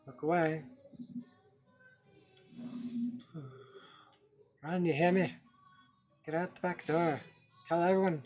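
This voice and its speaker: A man voicing a protective village father who speaks loudly and urgently. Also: fairly high pitch, normal speed, soft background music, voice pushed up, natural voice. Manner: loud and urgent.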